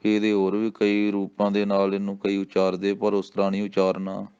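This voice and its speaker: A man from Punjab with a Punjabi accent, teaching correct recitation of scripture and drawing out each recited word slowly and calmly. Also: lowish voice, clean tone, dry recording, muffled recording. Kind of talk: slow recitation with pronunciation instruction.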